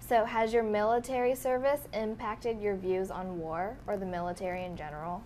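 Over light background noise, a woman talks at a moderate pace with hardly any pauses, using a medium pitch and ordinary pitch variation. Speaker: student interviewer. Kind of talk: oral history interview. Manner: halting. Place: home room.

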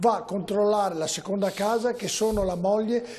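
Light background noise accompanies speech at a fairly quick pace. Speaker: TV show host. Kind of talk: talk show presenter reading and answering viewer messages. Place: studio. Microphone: lapel.

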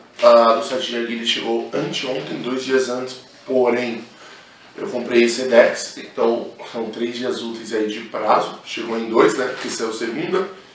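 At a fairly slow pace, a man speaks with medium pitch and fairly even intonation. Light background noise and audible room echo are present. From Brazil, São Paulo. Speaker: YouTuber reviewing hookah products. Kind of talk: casual unboxing vlog. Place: home room.

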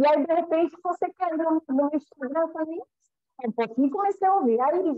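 A woman's high-pitched voice with ordinary pitch variation and a moderate pace. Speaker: prospective student asking questions. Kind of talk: Q&A. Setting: video call.

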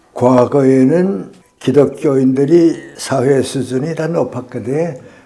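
At a very slow pace, the voice has a dark, mellow tone and ordinary pitch variation. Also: man. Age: 80s+. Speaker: philosopher, professor. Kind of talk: interview answer.

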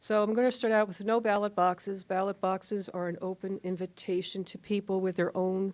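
A woman with a New Jersey accent and medium pitch speaks at a moderate pace. Her intonation is monotone and flat, on a very clean recording with a silent background. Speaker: public commenter at a county meeting. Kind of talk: public comment statement. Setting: county commission meeting room.

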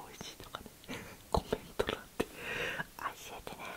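A woman whispers. Her voice is soft-spoken. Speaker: vlogger. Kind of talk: casual unboxing vlog chat. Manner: soft close-mic ASMR whisper. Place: home room. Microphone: studio mic.

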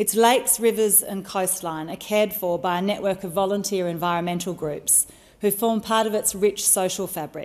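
A woman talks at a moderate pace. Her pitch shows ordinary variation. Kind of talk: formal first speech. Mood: warm, emotional gratitude. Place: hall. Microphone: podium.

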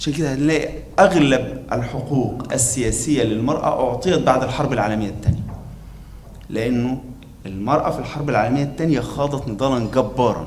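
Moderate-paced male speech, ordinary in pitch movement, amid light background noise and audible room echo. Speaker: conference panelist. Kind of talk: conference speech. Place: hall. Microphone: podium.

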